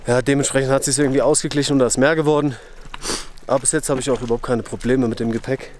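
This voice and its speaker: A young man from Germany talks casually to his camera while trekking, relaxed and chatty, with plenty of fillers. His voice sits at an ordinary middle pitch. It is picked up outdoors at a mountain camp by the camera's own mic. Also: very fast, a little hiss or hum. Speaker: hiking vlogger. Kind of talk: casual vlog talk to camera.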